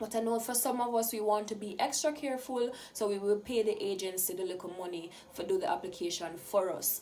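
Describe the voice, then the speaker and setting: In a Jamaican accent, a woman talks at a fairly high pitch with hardly any pauses, noticeable background noise behind her. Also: ordinary pitch variation, fairly quick pace. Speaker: YouTuber. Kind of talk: advice vlog. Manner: fast.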